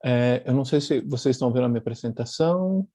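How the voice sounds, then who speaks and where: A man's voice: medium pitch, quick pace, dark tone, no echo, clean studio sound. Argentine man presenting on a video call. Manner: thoughtful, many fillers and restarts. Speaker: guest speaker, publisher. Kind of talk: online lecture presentation.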